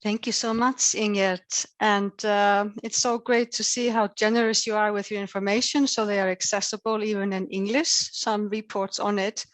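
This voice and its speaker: A woman's voice: medium pitch, fairly even intonation, moderate pace, hardly any pauses, no room sound. Woman hosting a webinar, friendly, lots of uhs between speakers, mid voice, dry sound. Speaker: webinar moderator. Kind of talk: moderating a webinar. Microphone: video call.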